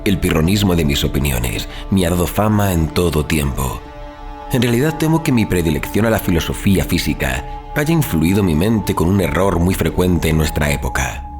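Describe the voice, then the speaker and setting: An actor playing a grave, rational, educated traveler telling his story in solemn, measured, formal literary narration for an audio drama. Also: sits low, expressive. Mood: grave, confessional. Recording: music playing behind the voice. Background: background music.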